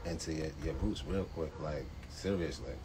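A man's voice: rumbling low, moderate pace, noisy background. A man sitting beside his wife on a phone livestream, chiming in with blunt, teasing remarks. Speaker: husband, co-host. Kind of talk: casual chat. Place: indoors, dim room. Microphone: phone camera, off to the side.

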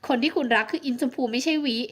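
A woman's voice: high voice, racing, husky. A woman reading a romance audiobook, voicing a jealous young woman who pleads through tears. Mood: bitter. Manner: emotional, tearful pleading. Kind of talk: audiobook romance novel acting.

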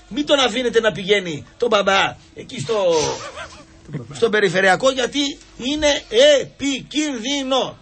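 High-voiced man, rambling sports radio host. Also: breathy edge. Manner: rambling, teasing, mocking and animated, with lots of fillers. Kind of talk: casual sports radio chat.

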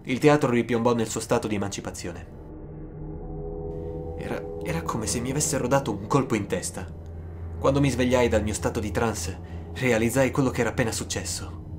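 A man narrating a scripted first-person horror story, with dramatic, suspenseful pauses. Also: mid-range voice, background noise. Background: music.

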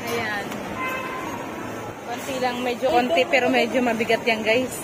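Woman in her forties, chatty shopping vlogger, slightly high voice, loud crowd and store noise around her. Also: flat delivery, a little slow. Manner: chatty, addresses viewers while shopping. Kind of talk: casual shopping vlog. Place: busy supermarket aisles, indoors. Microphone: phone held at arm's length.

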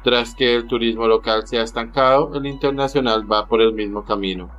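A man giving an even, formal reading of an opinion column. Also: medium pitch, fairly quick, dull audio, faint music behind. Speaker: column reader.

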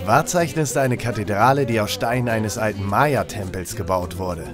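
A man giving a calm, informative scripted voice-over for a travel show. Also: lowish voice, normal speed. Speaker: narrator. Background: background music.

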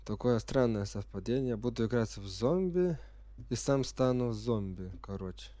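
A sick man speaking as a non-native speaker, giving halting, unsure commentary as he plays a game for the first time and reads the menus aloud. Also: medium pitch, dark tone. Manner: reads game menu text aloud while puzzling over it. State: sick with a virus. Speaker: gamer playing on camera.

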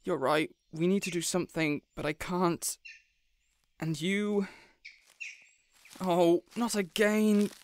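A man playing a weary, reasonable young supervillain boss in a scripted audio roleplay, hesitant yet measured and exasperated. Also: sits high, fairly even intonation, slight background noise. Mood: anxious.

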